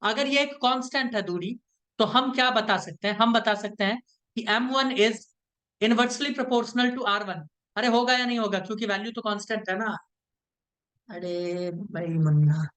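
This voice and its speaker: A man's voice: high voice, measured pace, bright, forceful tone. A man teaching an online class, explaining step by step in a playful, teasing way and often checking that students follow. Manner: playful, teasing, keeps asking "right?".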